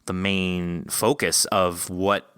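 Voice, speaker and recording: A man's voice: low-pitched, flat delivery, takes it slowly, a bit bright, smooth, no echo, studio quality. A man hosting a conversational author interview on a podcast, speaking in an effusive, encouraging way. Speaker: podcast host.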